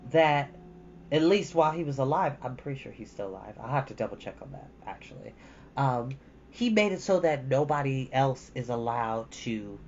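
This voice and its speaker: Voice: mid-range voice, slight background noise. Chatty storytime host, muffled lo-fi sound. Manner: chatty, informal, rambling asides. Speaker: host of a storytime livestream, reading a novel aloud. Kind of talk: casual livestream chat and storybook reading. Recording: dull lo-fi audio with background music. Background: ambient background music.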